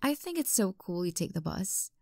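Woman acting creaky-voiced obsessive yandere girlfriend. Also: on the low side, sing-song, mellow, dry recording, clean studio sound, exaggerated voice. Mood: lovestruck, coy. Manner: breathy whispers, halting, swinging from coaxing to outbursts. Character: obsessive, unstable young yandere stalker woman, sweet then menacing. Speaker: voice actor in audio roleplay. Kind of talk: ASMR girlfriend roleplay, intimate acting.

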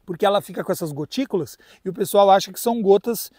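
A man with a fairly high voice and a Brazilian Portuguese accent talks in a loose, playful vlog manner, sometimes mangling words on purpose. He is outdoors in a garden by a pool, caught on a phone's own mic rather than a proper microphone. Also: fast talker, a little mellow, no echo. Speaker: carnivorous plant grower and channel host. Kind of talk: casual vlog chat. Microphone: phone built-in mic, no external mic.

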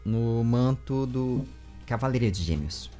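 A Brazilian man interviewing a guest over a video call, talking in a playful, lively way. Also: medium pitch, unhurried, faint music behind. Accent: Brazilian Portuguese. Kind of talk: casual video-call chat.

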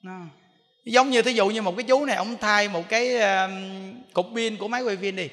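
A Buddhist monk with a Southern Vietnamese accent giving a sermon, telling stories animatedly and laughing with the audience in a temple hall. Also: male voice, high-pitched, brisk, a bit bright. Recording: long reverb in a large hall.

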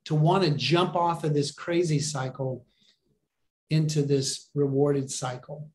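Pastor, male, fairly high voice, earnest and encouraging, preaching on a webcam. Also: fairly even intonation, unhurried, a little mellow. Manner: earnest, encouraging, asks the listeners questions. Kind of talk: sermon over a video call. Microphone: video call webcam.

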